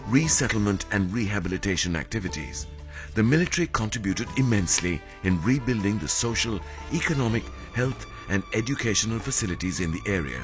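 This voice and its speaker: Low-voiced man narrating a documentary. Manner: formal, measured delivery.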